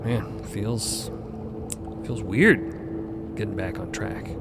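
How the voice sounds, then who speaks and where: A man's voice: lowish voice, very slow, gravelly, exaggerated voice. A man playing an easygoing crew explorer with an offhand, casual way of talking in an audio drama. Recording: loud music bed underneath.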